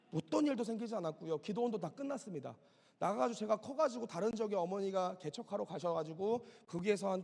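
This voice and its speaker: A man's voice: high voice, vocal fry, warm tone, husky. A middle-aged male pastor preaching a storytelling sermon in a vivid, dramatic way, in a church sanctuary. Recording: long reverb of a church hall.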